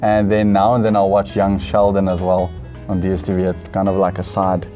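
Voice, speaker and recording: A man's voice: deep voice, monotone, brisk, warm tone, faint music behind. A South African man hosting a game show in a casual, easygoing, chatty way.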